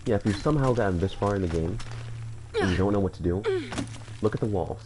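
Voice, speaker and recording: A man's voice: fairly low pitch, fast, noisy background. A man with a slightly congested voice, joking and rambling to his viewers as he plays through a game. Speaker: gaming channel host. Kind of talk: casual let's-play commentary.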